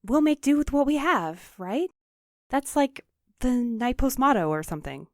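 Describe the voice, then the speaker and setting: A woman playing an earnest, cautious, gently optimistic mail courier in an audio drama. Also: sits high, big pitch swings, moderate pace, no room sound, clean studio sound. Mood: earnest, hopeful. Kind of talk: naturalistic audio drama acting.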